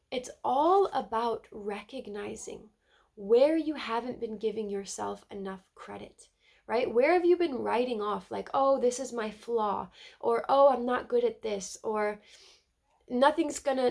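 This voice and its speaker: Woman card reader, stuffy from a cold, somewhat high voice with gravelly fry, earnest and emphatic. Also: darkish tone. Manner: earnest, emphatic, repeats words and asks "right?". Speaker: spiritual tarot reader. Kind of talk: casual spiritual card reading to camera.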